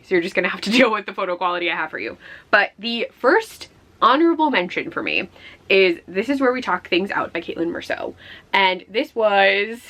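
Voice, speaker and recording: Woman, bright forward voice, slight hoarseness, casual chatty vlog talk, rambling, self-deprecating, medium pitch. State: slightly hoarse after flu. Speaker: book vlogger hosting a year-end favorites video.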